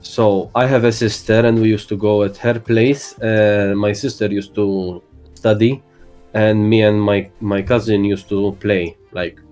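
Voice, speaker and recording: A man's voice: flat delivery, unhurried, a little mellow, faint music behind. A young man from Malta with a Maltese accent, a guest in a casual interview, talking hesitantly with many fillers. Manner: hesitant, many fillers, calls his own voice bassy. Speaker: guest streamer.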